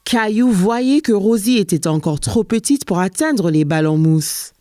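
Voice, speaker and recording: A woman narrating a children's cartoon in a gentle, clear storybook manner. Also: mid-range voice, lively intonation, unhurried, no echo, studio quality.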